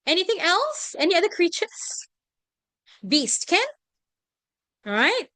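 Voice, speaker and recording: A Singaporean woman teaching an online class, her voice high and sparkling with wide swoops in pitch. She keeps pausing to ask "right?" and "okay?" in a close, dry sound. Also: no echo. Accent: Singaporean English. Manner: animated, constantly checking in with "right?" and "okay?". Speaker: tuition teacher.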